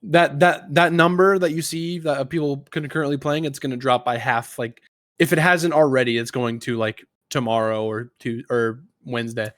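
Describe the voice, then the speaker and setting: A man's voice: mid-range voice, fairly even intonation, normal speed, fairly bright tone, no room sound. Man hosting, close dry sound. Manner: informal, conversational. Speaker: podcast host. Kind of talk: casual gaming podcast chat, explaining a quiz game.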